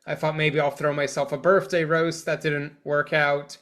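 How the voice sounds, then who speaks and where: A man's voice: fairly high pitch, flat delivery, a bit bright. A comedian in his forties chatting on a podcast, often restarting his sentences and making self-deprecating jokes. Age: 40s. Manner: halting, repeats words, self-deprecating humor. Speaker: comedian guest. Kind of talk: casual podcast chat.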